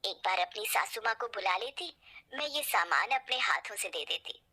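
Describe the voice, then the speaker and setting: A woman's voice: mid-range voice, animated, moderate pace, sharp tone. A woman voicing a humble, poor older mother in a spoken storybook tale, speaking meekly and pleadingly. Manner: meek and pleading.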